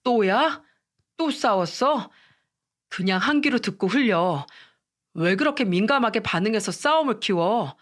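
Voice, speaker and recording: A woman's voice: mid-range voice, expressive, measured pace, close to an everyday voice. A woman voicing an irritable husband who brushes off complaints impatiently. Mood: irritated. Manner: impatient, dismissive.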